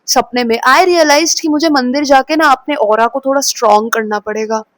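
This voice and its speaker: Brief: woman vlogger, high voice, dry close sound, dramatic storytelling, drops in English phrases. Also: normal speed, dry recording. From Kolkata, India. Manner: dramatic, expressive retelling of a dream. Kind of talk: storytelling vlog.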